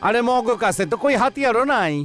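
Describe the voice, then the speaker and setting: High, excitable rustic villager. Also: male voice, quick pace. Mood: fretful. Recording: music behind the voice.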